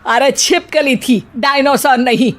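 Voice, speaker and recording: A woman's voice: high voice, measured pace. A woman voicing a bossy, easily frightened middle-aged mother-in-law in a cartoon story, scolding as she talks.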